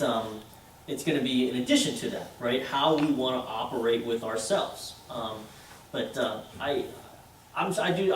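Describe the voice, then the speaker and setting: Male council chair, halting, agreement-seeking; distant mic in an echoey chamber. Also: medium pitch. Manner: hesitant, many fillers, seeks agreement with "right?". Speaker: council chair leading the meeting. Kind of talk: meeting discussion. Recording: roomy chamber audio from far off with faint hiss.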